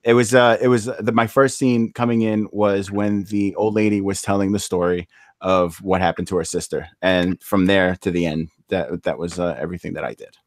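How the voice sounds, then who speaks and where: A man with a fairly low voice talks casually about his work as a composer. He speaks haltingly, in short pieces, with a dry, roomless sound. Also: steady tone, no echo. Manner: halting, pauses often. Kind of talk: casual panel discussion.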